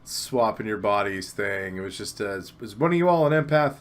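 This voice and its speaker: A man's voice: on the low side, expressive, a little fast, lightly acted. A man voicing a cheerful, laid-back shadow man who talks in a breezy, reassuring way. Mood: easygoing.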